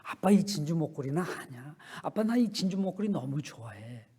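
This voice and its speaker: A man's voice: on the high side, sing-song, normal speed, dark tone, breathy edge. A man doing a pleading little girl. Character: sweet five-year-old girl, doting on her father.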